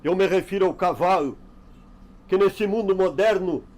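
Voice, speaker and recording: A man reciting verse. His voice sits high. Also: normal speed, a little mellow. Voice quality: declamatory.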